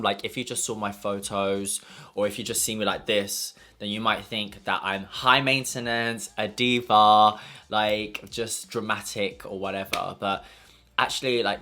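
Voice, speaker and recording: Young guy gossiping while he eats, bright lowish voice, says like a lot. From London. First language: Portuguese. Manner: chatty, gossipy, lots of "like". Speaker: makeup artist vlogger. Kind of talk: casual mukbang chat.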